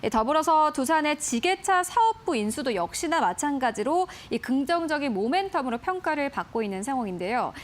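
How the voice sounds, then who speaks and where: Woman caster running through stock picks, high voice that bounces around a lot. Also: big pitch swings, a little fast, hardly any pauses. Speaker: news caster. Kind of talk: stock news briefing.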